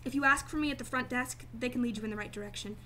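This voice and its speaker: A woman playing a guarded, emotionally detached client in a radio drama, speaking formally and deliberately. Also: on the high side, bright, forceful tone, a little hiss or hum. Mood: matter-of-fact. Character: cool, detached female client, guarded murder victim's sister.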